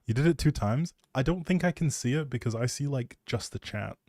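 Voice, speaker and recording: A man's voice: mid-range voice, expressive, a little fast, darkish tone, dry recording, studio quality. A young man rambling casually on a game livestream, playful and jokey as he chats back to viewers. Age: young adult. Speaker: live streamer and audio creator.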